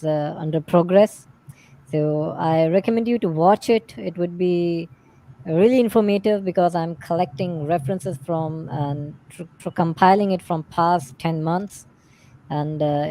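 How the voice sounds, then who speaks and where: Low, mellow South Asian woman speaking haltingly. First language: Urdu. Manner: halting, repetitive English with word searching. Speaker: livestream panel guest. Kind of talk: unscripted livestream talk.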